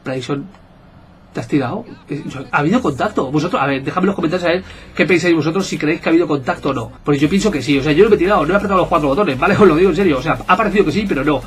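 A man with a Spain Spanish accent, giving excitable, jokey gameplay commentary and bantering with his viewers. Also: fairly high pitch, very fast. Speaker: gaming YouTuber.

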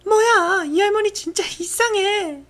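A woman's voice: very high voice, measured pace, a bit bright. A woman voicing a timid, bewildered young female customer, hesitant and flustered, in a comic webtoon dub.

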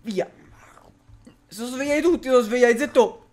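A man's voice: very high-pitched, normal speed, soft background music. A man commenting casually on a survival game, laughing often and cursing at zombies. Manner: swears a lot, laughs often, yells at the game. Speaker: gameplay commentator. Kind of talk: casual let's-play commentary.

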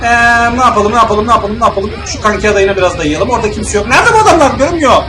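A young man giving let's play commentary on a video game, swinging between muttered remarks and sudden yelling and swearing at the enemies. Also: high-pitched, very fast. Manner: excitable, yells and swears at enemies, then mutters calmly. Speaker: gamer playing a video game. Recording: roomy echo with faint game music.

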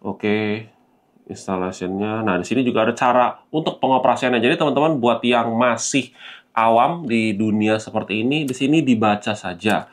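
A man's voice: on the low side, normal speed. A man hosting a casual gadget unboxing, explaining things conversationally to viewers and mixing in English terms. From Indonesia. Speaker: gadget reviewer and vlog host. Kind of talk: casual product unboxing commentary.

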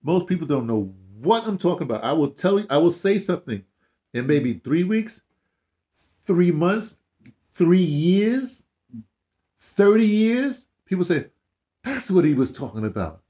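A man's voice: sits high, big pitch swings, a little slow, pauses often, warm tone. An American man in his sixties or older talking casually and reflectively, rambling with emphasis, false starts and repeated phrases. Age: 60s or older. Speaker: audio dramatist being interviewed. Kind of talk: casual reflective interview talk, storytelling. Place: small room at home, indoors.

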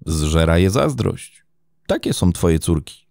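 A man doing a slow, coaxing older man. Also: low-pitched, sing-song, creaky, darkish tone, dry recording, studio quality, heavily acted. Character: smooth-talking older man, patient and manipulative.

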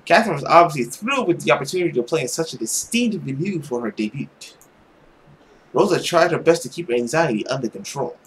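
A man's voice: a little high, expressive, quick pace, slight background noise, rough recording. A young man reading visual novel text aloud expressively, with his own commentary. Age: young adult. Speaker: video game player and narrator. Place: small room at home, indoors. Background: game music.

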